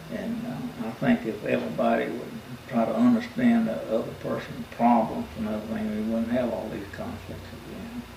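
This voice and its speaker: Over light background noise and audible room echo, a man speaks with a Southern US accent at a moderate pace. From South Carolina (Newberry County); South Carolina. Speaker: war veteran. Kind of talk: oral history interview. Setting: library. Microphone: camera far.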